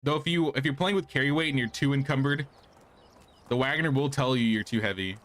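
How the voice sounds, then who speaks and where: A man's voice: mid-range voice, quick pace, fairly bright tone. A man giving casual, rambling gameplay commentary as a streamer, thinking aloud as he goes. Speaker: game streamer. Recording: game music behind. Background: game music.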